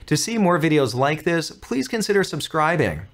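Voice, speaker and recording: This tutorial host, an American man in his thirties, guides viewers step by step through software in a slightly high, very animated voice at a moderate pace. He stays upbeat, clear, and instructional throughout.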